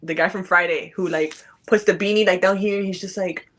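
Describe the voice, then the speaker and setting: A woman's voice: lowish voice, steady tone, fairly quick, fairly bright tone. A woman from New York, a podcast guest in casual chat, teasing and laughing.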